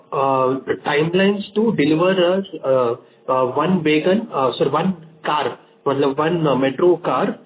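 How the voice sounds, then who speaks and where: A man asking halting questions over a bad phone connection that keeps breaking up. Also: a little high. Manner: halting, many fillers, repeats himself. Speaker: analyst asking questions on an earnings call. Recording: tinny phone line.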